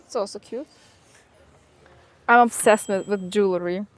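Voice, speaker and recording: A young woman chatting casually outdoors at a market, giving relaxed, brief replies. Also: mid-range voice, a little slow, no echo. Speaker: travel companion. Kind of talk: casual chat while walking.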